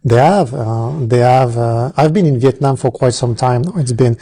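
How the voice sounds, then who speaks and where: A middle-aged man with a French accent, talking as an interview guest, pausing often with many fillers and restarts. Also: mid-range voice, dark tone, breathy edge, no room sound. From France. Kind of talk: casual interview.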